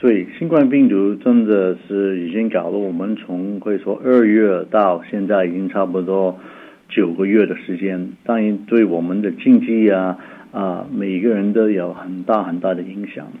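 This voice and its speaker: A man with a strong Cantonese accent, fairly low-pitched, at a fairly slow pace and with fairly even intonation. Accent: strong Cantonese accent in Mandarin. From Hong Kong. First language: Cantonese (speaking Chinese). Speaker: political candidate. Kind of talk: interview. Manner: halting, many fillers and repetitions.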